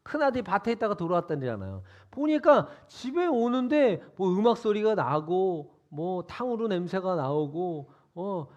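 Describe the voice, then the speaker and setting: A male youth pastor preaching in a church sanctuary. He keeps it casual and interactive, tossing questions to the teens. His voice sits high and moves around a lot. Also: very animated, moderate pace, hardly any pauses, darkish tone, highs cut off. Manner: conversational, quizzing listeners.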